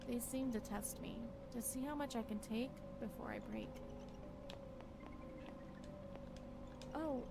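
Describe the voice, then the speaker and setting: Woman acting a haunted, high-voiced wife unraveling. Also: moderate pace, gravelly, heavy background noise. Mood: uneasy, brooding. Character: haunted, fearful wife losing her grip on reality. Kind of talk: dramatic first-person horror game narration.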